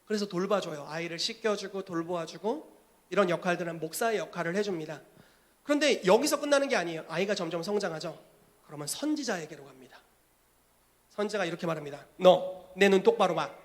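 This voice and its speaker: A male pastor preaching a sermon in an animated way, acting out scenes as he goes. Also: high voice, fast.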